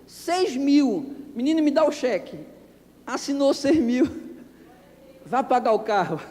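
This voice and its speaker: High-voiced preacher in an echoing hall. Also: male voice, slight background noise. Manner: animated, acts out dialogue, bursts into shouts. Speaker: pastor. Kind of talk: storytelling sermon. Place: church anniversary service. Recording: long reverb of a church hall.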